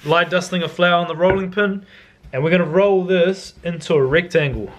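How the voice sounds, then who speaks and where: A young man with a voice a little higher than most men's. He talks like a cooking vlogger, giving laid-back, slangy instructions in a casual style. He is recorded in a home kitchen. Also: normal speed, a little hiss or hum. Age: young adult.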